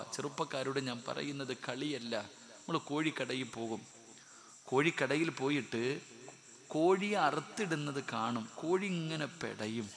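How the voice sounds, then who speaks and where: A man preaching a fiery sermon, swinging between loud outbursts and hushed tones. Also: mid-range voice. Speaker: Islamic preacher.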